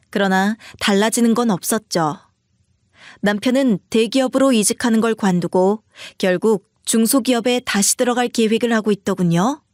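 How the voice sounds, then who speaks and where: Woman reading out a story calmly, bit high voice, dry close sound. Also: dry recording. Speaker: story narrator. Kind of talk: first-person story narration.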